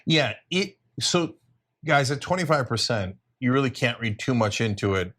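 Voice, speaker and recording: A middle-aged man hosts live election coverage. He talks emphatically and keeps explaining things to the audience. His pitch rises and falls a lot, in an average register. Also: lively intonation, normal speed, fairly bright tone. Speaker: show host. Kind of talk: live election night commentary.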